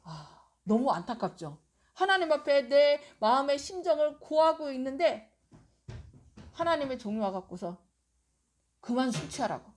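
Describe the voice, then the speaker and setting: A woman's voice: high voice, sing-song, normal speed. A woman pastor preaching a sermon, telling a story expressively and quizzing the congregation with questions.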